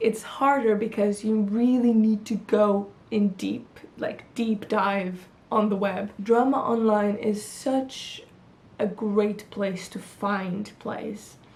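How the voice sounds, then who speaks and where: A woman talks at a very slow pace with a Portuguese accent. Her voice is fairly high. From Portugal. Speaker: drama student and vlogger. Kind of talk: casual advice vlog. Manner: animated.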